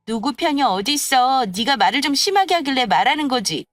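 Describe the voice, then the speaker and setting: A woman voicing excitable, gossipy young female friends in an audio story, exclaiming in a blunt, nosy way. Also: sits high, moderate pace, dry recording, clean studio sound, pitched above the performer's own voice. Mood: reproachful. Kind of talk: acted dialogue in an audio story.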